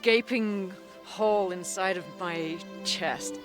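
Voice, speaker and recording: A man who teaches wilderness skills, speaking slowly and reflectively in a documentary interview and while teaching. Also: sits high, over music.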